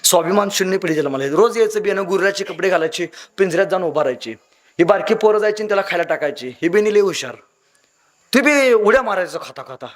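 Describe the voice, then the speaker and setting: A man giving a motivational speech to young people, telling stories dramatically and swinging between loud appeals and hushed lines. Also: sits high, animated, fast. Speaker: motivational speaker.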